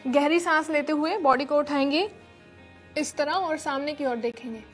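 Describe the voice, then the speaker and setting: High-voiced young woman teaching yoga. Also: moderate pace, faint music behind. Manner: calm step-by-step instructions with frequent fillers. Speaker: yoga instructor. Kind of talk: instructional yoga demonstration. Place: studio with red floor and dark curtains.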